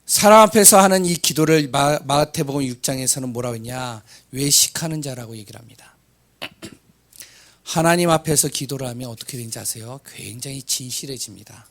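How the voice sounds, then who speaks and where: A hoarse man preaching a sermon, asking rhetorical questions and swinging from loud cries to hushed asides, stumbling over words now and then. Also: mid-range voice, normal speed.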